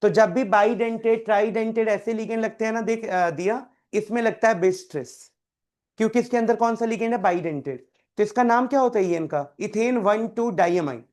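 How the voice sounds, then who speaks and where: In live classroom tutoring, a chemistry teacher quizzes his students by name and goes back over key terms. He is a man with a high-pitched, darkish voice and a moderate pace.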